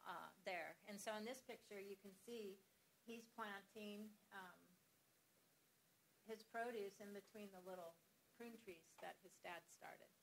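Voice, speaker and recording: A woman's voice: mid-range voice, unhurried, slight background noise, low-quality recording. A woman presenting slides at a farm workshop, talking conversationally with many fillers and restarts.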